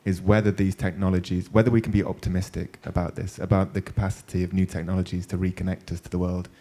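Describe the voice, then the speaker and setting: Low, dark-voiced male moderator. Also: level tone, fast. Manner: thoughtful, storytelling, loose phrasing. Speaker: panel moderator. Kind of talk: panel discussion. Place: panel event.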